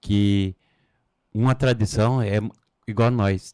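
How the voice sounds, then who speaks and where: A man's dark, mellow voice, dry and close with no echo. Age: 60s. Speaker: leader of a traditional cultural group. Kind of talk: panel discussion. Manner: indignant, emphatic.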